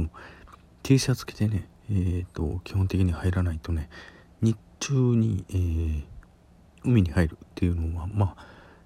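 A man with a very deep, low pitch and a dark, mellow tone sounds somewhat breathy, with ordinary pitch variation and big swings in loudness. His pace is moderate, and the recording is very clean with a silent background. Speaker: podcaster. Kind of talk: solo storytelling monologue. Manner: many filler hesitations.

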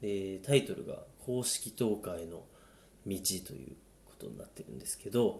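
Big swings in loudness run through a man's fairly slow speech. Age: 20s. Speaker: app company employee starting a talk channel. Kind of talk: casual self-introduction monologue. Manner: halting, many fillers; casual.

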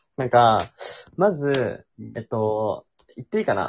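Using a normal speaking voice, a man talks fairly slowly at a medium pitch with lively intonation. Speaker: podcaster. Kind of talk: casual chat.

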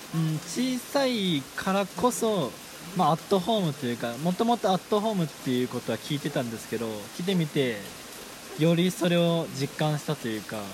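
Against noticeable background noise, the speech proceeds at a moderate pace. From Japan, Gifu. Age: 20s. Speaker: university student studying abroad. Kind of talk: interview.

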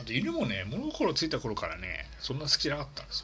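A man talks very fast while noticeable noise sounds in the background. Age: 30s. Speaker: podcaster. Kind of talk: solo casual monologue. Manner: casual, frequent fillers.

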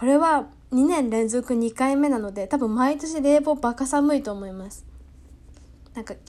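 A relaxed tone at a fairly slow pace, with ordinary pitch variation. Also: woman. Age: 20s. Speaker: podcast host. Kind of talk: solo casual talk. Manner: relaxed with filler words.

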